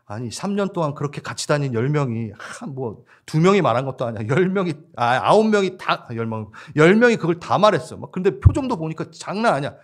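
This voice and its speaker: A man preaching a church sermon as pastor, lively and laughing along with the congregation while acting out voices. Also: fairly high pitch, fairly quick, hardly any pauses.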